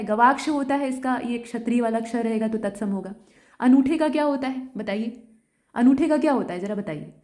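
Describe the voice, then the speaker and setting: A woman teacher going through an exam answer key, explaining each question and often pausing to check that the point has landed. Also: high voice.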